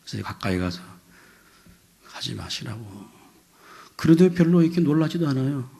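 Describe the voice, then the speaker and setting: A man in his fifties, a pastor preaching a sermon, telling a story with voiced quotes and building to loud, emphatic peaks. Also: on the high side, racing. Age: 50s. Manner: storytelling with animated voiced quotes, rising to shouts.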